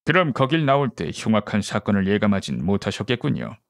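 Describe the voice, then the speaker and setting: A man's voice: fairly low pitch, very animated, fast talker, gravelly. A man voicing a composed, courteous male detective in an audiobook, speaking formally and probingly. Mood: calm, probing. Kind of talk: audiobook character dialogue.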